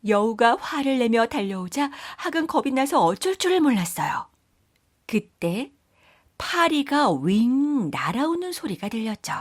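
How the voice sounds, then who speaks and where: Slow, husky woman storyteller. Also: fairly high pitch, sing-song, no echo, clean studio sound. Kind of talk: scripted children's folktale narration.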